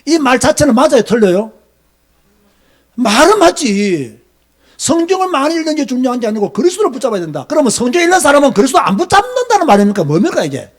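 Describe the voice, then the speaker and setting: High-voiced emphatic Gyeongsang pastor. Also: male voice. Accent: Gyeongsang Korean. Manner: emphatic, scolding, rhetorical questions. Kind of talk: sermon lecture.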